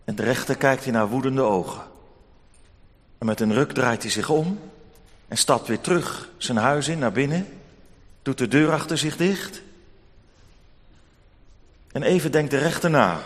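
A man telling a Bible story to children in an expressive, animated way. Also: medium pitch, unhurried, pauses often. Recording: long hall reverb.

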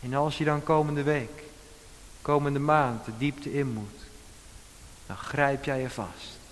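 A man preaching a sermon as pastor, emphatic, with dramatic pauses and quoted lines. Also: medium pitch, fairly even intonation, big-room sound, a little hiss or hum.

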